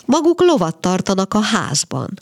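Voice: mid-range voice, huge pitch swings, no echo, pitched above the performer's own voice. A narrator doing a stern, blustering inspector. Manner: barks and shouts in bursts. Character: stern officious male police inspector. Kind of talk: storytelling on radio.

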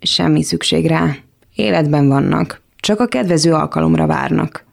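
A woman reading the part of a slightly mad male doctor who speaks slowly and softly coaxes. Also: sits low, creaky, full character voice. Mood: soothing.

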